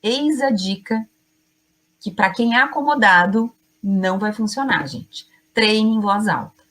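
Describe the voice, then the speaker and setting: A woman's voice: mid-range voice, fairly bright tone. Emphatic woman coaching her class. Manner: emphatic, addresses the audience directly and often; deliberate pauses between short phrases. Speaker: communication coach. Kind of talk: online class lecture.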